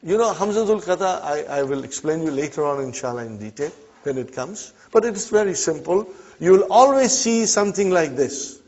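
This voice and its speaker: Man, language teacher, fairly high voice, keeps checking in with the class, muffled classroom recording. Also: lively intonation, brisk, darkish tone. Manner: checks in often with "huh?" and "brothers and sisters". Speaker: Arabic teacher. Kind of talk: classroom grammar lesson.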